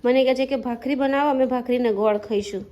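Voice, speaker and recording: Woman, thirties, high voice, chatty, laughs often, home vlog on a phone. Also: fairly even intonation, quick pace, crowd noise. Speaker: vlogger, mother. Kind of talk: casual family vlog. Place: family home, indoors.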